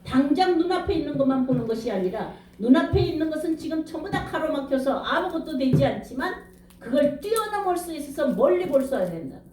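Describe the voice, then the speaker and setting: A woman's voice: high-pitched, animated, fairly quick, a little mellow, recorded from a distance, slight background noise. A middle-aged woman pastor preaching a revival sermon with emphasis, firing questions at the congregation. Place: church sanctuary. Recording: echoey room, speaker off-mic.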